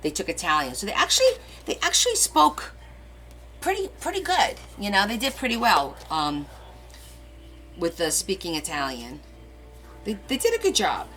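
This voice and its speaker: A woman's voice: mid-range voice, wildly swooping pitch, normal speed, long pauses, a bit bright, a little hiss or hum. A middle-aged woman whose first language is Portuguese, chatting casually and rambling as she hosts a live crafting stream and answers viewer comments. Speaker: crafting livestream host.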